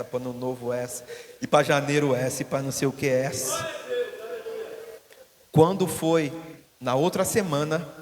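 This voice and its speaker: A man preaching a sermon as pastor in a church hall, telling stories and acting out the voices of the people in them. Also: medium pitch. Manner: storytelling, acting out quoted voices. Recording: long hall reverb.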